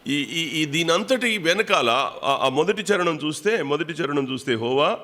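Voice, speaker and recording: Male preacher, raised voice, repeats lines, fills pauses while he thinks. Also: fairly high pitch, lively intonation, sharp tone. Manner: repeats phrases, pauses with drawn-out fillers. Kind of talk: Bible sermon. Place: prayer hall.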